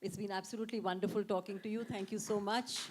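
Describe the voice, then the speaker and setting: A woman's voice: mid-range voice, steady tone, fast, noisy background. Effusive woman moderating a book talk. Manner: warm and effusive, coaxing the audience. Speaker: session moderator. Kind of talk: moderating a festival Q&A. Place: literary festival stage.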